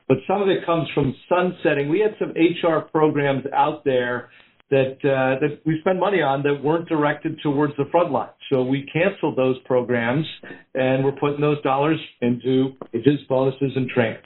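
Male executive on a narrow phone line. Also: mid-range voice. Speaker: company executive on earnings call. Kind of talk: answering analyst questions, unscripted business talk. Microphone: conference call line.

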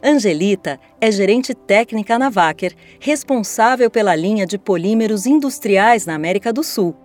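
A woman's voice: medium pitch, darkish tone. Brazilian woman hosting, formal and scripted. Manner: formal, articulate. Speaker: podcast host. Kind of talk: scripted podcast presenting.

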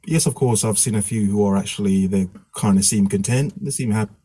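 A man's voice: on the low side, a little fast, dark tone, slightly rough. A man hosting a podcast in a chirpy, self-mocking way. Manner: chirpy, self-mocking, laughs between phrases. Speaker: podcast host. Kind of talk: casual podcast chat.

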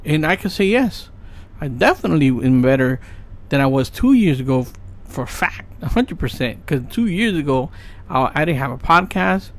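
A man's voice: on the high side, big pitch swings, normal speed. Earnest rambling man pushing forty. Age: 30s. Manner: rambling, earnest, lots of fillers and "right?". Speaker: podcast host. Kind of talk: casual motivational monologue.

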